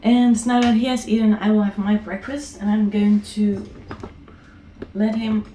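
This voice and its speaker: Raspy-voiced Dutch mom vlogging at home. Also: female voice, medium pitch, little pitch movement, unhurried, warm tone, echoey room, slight background noise, poor audio. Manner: chatty, with many fillers and restarts. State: raspy from a sore throat. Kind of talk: casual home vlog. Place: apartment kitchen.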